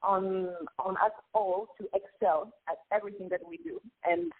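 A woman's voice: mid-range voice, sing-song, normal speed, breathy edge. A woman from Congo whose first language is Lingala, a singer being interviewed, speaking in an earnest, reflective way with hesitant restarts. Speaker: singer and guest. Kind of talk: casual interview chat. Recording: tinny phone line.

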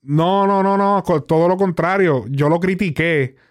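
A male interviewer with a Caribbean Spanish accent chats in easy Spanglish, sliding between Spanish and English. His voice is fairly high and clean, with a smooth, resonant tone. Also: a little slow. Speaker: interviewer and show host. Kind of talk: casual conversational interview.

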